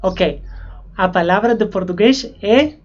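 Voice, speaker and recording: An American woman, a young adult whose first language is English, talks casually through a home vlog and names household words one by one in a plain, unhurried way. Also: mid-range voice, highs cut off. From United States. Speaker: language learning vlogger. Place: her room and house.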